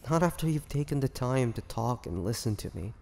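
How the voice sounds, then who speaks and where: A man playing an ancient, gentle and wistful male vampire in an intimate audio roleplay, speaking haltingly with measured pauses. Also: medium pitch, expressive, gravelly, a little hiss or hum. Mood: earnest, pleading.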